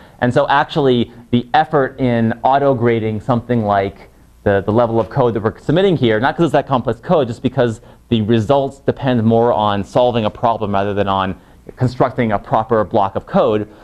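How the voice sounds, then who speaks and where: With a medium pitch, a man talks using ordinary pitch variation. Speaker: university lecturer. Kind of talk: lecture. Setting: classroom. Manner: fast.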